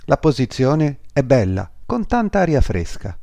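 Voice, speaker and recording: A man's voice: fairly low pitch, animated, normal speed, darkish tone, no echo, close to an everyday voice. A man voicing a small, proud, chatty female swallow in a fairy tale, fussy and exclaiming. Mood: excited.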